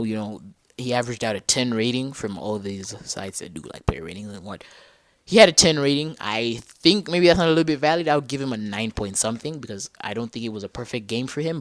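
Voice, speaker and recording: A young man from Zambia hosting a casual solo football podcast, talking in a slangy, animated way and correcting himself as he thinks aloud. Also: mid-range voice, dry recording. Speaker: podcast host.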